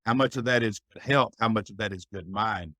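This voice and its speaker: A middle-aged man with a lowish voice talks in an earnest, folksy way. He shares life advice as a podcast guest. The sound is dry and close. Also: fairly quick, sharp tone, no room sound. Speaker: guest, business owner. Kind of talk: reflective podcast conversation.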